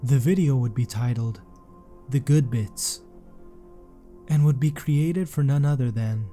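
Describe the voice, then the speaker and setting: A man reading a scripted sports documentary narration in a measured, serious way. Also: mid-range voice, mellow, faint music behind.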